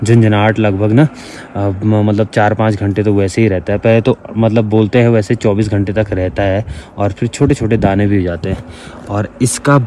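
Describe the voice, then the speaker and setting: A man's normal speaking voice, fairly low in pitch and fairly even in intonation, at a moderate pace, in a dry sound with no echo and light background noise. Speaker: village vlogger. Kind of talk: casual vlog chat. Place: open country. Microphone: phone near.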